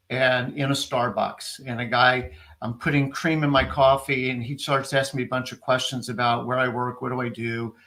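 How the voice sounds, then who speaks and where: A man's voice: mid-range voice, a bit bright. A man hosting a casual interview, upbeat and encouraging as he asks his guest questions. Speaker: host.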